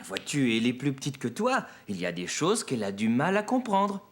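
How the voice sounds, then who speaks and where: Lively, patient cartoon dad. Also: male voice, mid-range voice, brisk. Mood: patient, playful. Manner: encouraging, explains gently. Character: patient, cheerful young dad of two small children. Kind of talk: French children's cartoon dialogue. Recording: loud music behind the voice.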